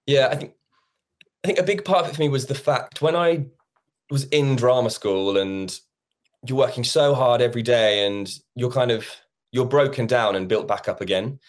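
An English musical theatre actor in his thirties chats as a guest in a casual interview, acting out past conversations he quotes. His voice is medium-pitched at normal speed.

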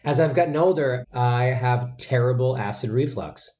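A male actor answers interview questions as a guest in a mid-range, darkish voice at normal speed. His earnest, chatty replies are full of fillers and restarts.

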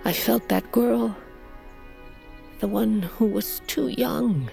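An actress playing a fierce, aging tribal queen and mother in an audio drama, speaking in a grave, measured way and sometimes coughing from sickness. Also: gravelly, warm tone, soft background music. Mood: grim recounting. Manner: grave, measured, low storytelling delivery. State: sickly, coughing.

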